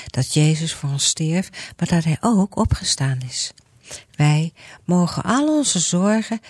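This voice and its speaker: A woman reading a Christian story aloud to listeners, expressive and lively. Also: lowish voice, breathy edge, dry recording.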